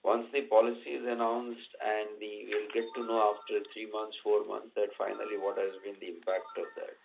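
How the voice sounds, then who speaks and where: An Indian-accented man, a company executive answering questions on an earnings call, speaking haltingly and repeating words. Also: on the low side, little pitch movement, vocal fry, a little hiss or hum. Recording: dull band-limited conference call line.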